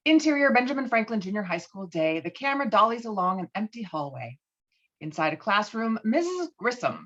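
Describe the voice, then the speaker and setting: A woman's voice: medium pitch, a bit bright. A woman reading scripted stage directions and scene headings for a table read over a video call. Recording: dull, lo-fi online call audio.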